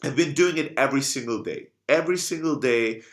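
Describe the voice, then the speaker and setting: A man's voice: mid-range voice, fairly quick. Blunt, emphatic man in an echoey room. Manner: blunt, emphatic motivational talk with frequent swearing. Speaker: startup founder answering audience questions. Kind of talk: casual solo Q&A video monologue.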